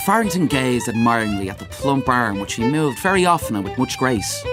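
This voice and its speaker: Guy reading a classic story, really animated pitch, dramatic and measured, strings and guitar music behind. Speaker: audiobook narrator. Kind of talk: expressive scripted literary narration.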